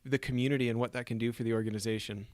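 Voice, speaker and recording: A man hosts a podcast interview in a casual way, with plenty of ums along the way. His voice is smooth and resonant, and the recording is dry and close. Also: mid-range voice, flat delivery, very fast, dry recording. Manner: casual, filler-heavy questions. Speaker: podcast host. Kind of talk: interview conversation.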